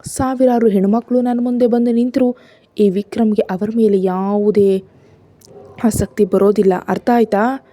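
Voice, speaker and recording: A woman's voice: mid-range voice, steady tone, moderate pace, dark tone, close to an everyday voice. A woman voicing a hot-tempered, domineering husband who scolds harshly and sarcastically. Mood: angry.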